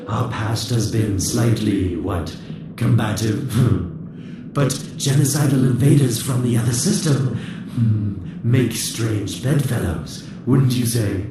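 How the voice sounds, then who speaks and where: An actor playing a sly, sardonic villain turned uneasy ally in a science-fiction game, taunting and theatrical, heard through an echoing, distant, noisy transmission. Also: male voice, on the low side. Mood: smugly coaxing. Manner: slow, taunting, drawling, theatrical.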